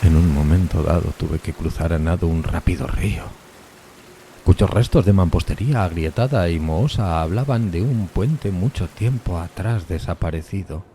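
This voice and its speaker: A man's voice: low-pitched, moderate pace, warm tone, slight background noise. A man playing a solitary, tormented outcast, narrating a gothic horror audio drama in a solemn, theatrical, literary manner. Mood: brooding.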